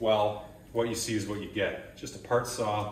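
Speaking fairly slowly, a man is heard with audible room echo and light background noise. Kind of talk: tutorial. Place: garage. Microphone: camera far.

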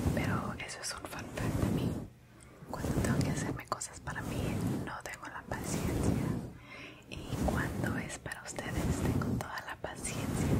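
Whispering in a gentle tone, a woman goes at a fairly slow pace with long, frequent pauses against noticeable background noise. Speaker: ASMR content creator. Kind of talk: ASMR whisper talk to camera. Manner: whispered, gentle.

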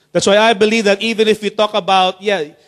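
Speaking at a fairly quick pace, a man with a high voice keeps his intonation fairly even, in a dry, close sound with no echo. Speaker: pastor. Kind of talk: sermon.

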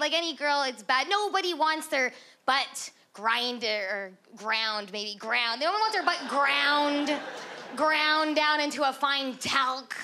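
Projected and raised, the voice moves at a fairly slow pace with very wide swings in pitch over light background noise. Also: woman. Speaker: stand-up comedian. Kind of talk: stand-up comedy set. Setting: stage with audience. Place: stage. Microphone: handheld.

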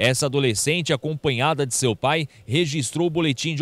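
With lively intonation, a man talks on a very clean recording with a silent background. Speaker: reporter. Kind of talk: news reporting, police news read in a formal report style. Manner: formal, measured, steady reporter delivery with some filler hesitations.

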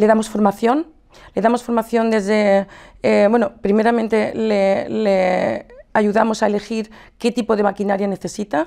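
A woman with a dark, mellow tone at a moderate pace, against a quiet background. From Germany-born, Spanish family (Andalusia); Germany. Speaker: business owner. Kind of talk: interview. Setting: TV studio. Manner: halting. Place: studio. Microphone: lapel.

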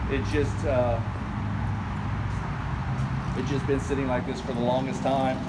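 Background noise is loud throughout. The talking moves at a moderate rate. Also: man. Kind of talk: casual vlog chat. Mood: nostalgic, a bit sad. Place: street. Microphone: phone near.

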